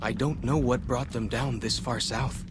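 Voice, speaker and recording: A man playing a young, earnest tribal scout and guide in a video game, plain-spoken with simple, slightly halting phrasing. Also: mid-range voice, steady tone, background noise, lightly acted. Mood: frank, chatty. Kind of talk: video game cutscene dialogue.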